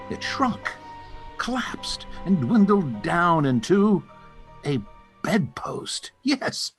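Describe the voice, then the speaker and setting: An actor narrating a ghost story in a measured, theatrical, suspenseful style. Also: male voice, fairly high pitch, a bit bright, heavily acted. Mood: wondrous. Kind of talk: scripted dramatic narration.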